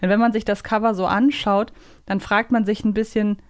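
A woman's voice: medium pitch, flat delivery, brisk, no room sound, studio quality. A woman hosting a podcast, chatting casually and enthusiastically, thinking aloud in long winding sentences. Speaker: podcast host. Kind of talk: casual fan chat and quiz banter.

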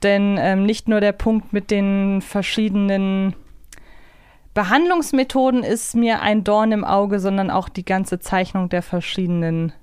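A woman's voice: medium pitch, fairly even intonation, measured pace, a little mellow, clean tone, no echo, clean studio sound. A woman co-hosting a podcast, chatting casually and analytically, thinking aloud and correcting herself as she goes. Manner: reflective, hedging, thinking aloud with self-corrections. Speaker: podcast co-host.

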